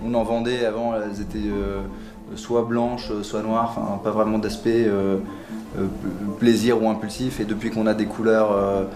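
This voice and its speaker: A man's voice: lowish voice, flat delivery, moderate pace. A man, a retailer being interviewed, answering casually with hesitant filler words. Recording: echoey room with loud music. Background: music.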